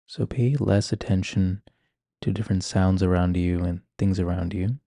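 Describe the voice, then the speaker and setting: A man leading a guided meditation in a calm, gentle, measured manner. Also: low-pitched, creaky, no echo, clean studio sound. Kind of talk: guided meditation, ASMR-like instruction.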